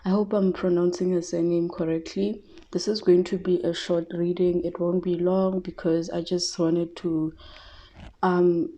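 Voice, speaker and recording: Soft-spoken, hesitant woman. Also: on the low side, flat delivery, measured pace, muffled recording. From South Africa. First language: Tshivenda. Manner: hesitant, many fillers and restarts. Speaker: tarot reader. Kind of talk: casual psychic reading.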